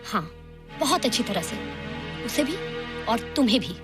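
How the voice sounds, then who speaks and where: Outspoken young woman, high and quick, loud music under. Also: very animated. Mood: defiant. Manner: sharp, defiant, mixes English in. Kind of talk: Hindi film dialogue.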